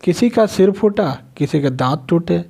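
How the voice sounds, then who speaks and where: A man's voice: on the high side, expressive, moderate pace, gravelly, warm tone, husky. A man teaching a literature lesson, reading a line from a story and then explaining it in simple words, asking questions and answering them himself.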